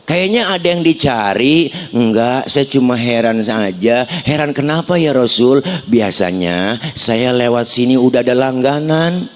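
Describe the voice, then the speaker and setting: A male preacher voicing a calm, gentle man who talks softly and patiently in a story. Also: mid-range voice, unhurried, big-room sound, voice pushed down, natural voice. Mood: mild.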